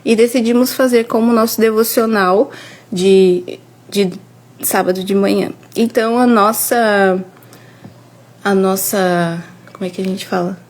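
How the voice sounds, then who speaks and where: A woman's voice: medium pitch, a little slow, darkish tone. A woman from Brazil chatting casually with viewers on a family devotional livestream, searching for words as she talks. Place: home livestream.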